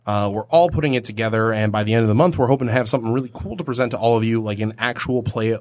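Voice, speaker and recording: A man's voice: on the low side, rapid-fire, no echo. A man co-hosting a podcast in a studio, chatting casually and rambling a little about building a tabletop game world. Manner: relaxed, rambling with restarts. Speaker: podcast co-host leading the session.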